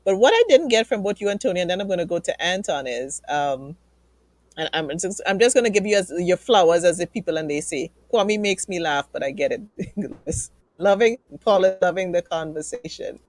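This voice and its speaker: A woman hosting a live online talk show, warm and playful with her guests, heard over a video call. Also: fairly low pitch, lively intonation, a little fast, no room sound. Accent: Trinidadian. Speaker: host.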